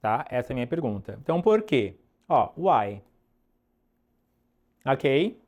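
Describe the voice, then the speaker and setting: A man teaching an online English lesson, drilling pronunciation slowly and checking in with "ok?" often. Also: mid-range voice, very animated, darkish tone.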